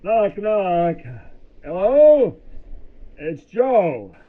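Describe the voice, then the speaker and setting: Naive gentle lunk, bashful, slightly high voice, phone-like tinny sound. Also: male voice, very animated, drawn-out words, full character voice. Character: Joe, big, sweet, naive dim-witted man. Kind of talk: comedy audio drama acting. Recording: tinny muffled voice, as through wall.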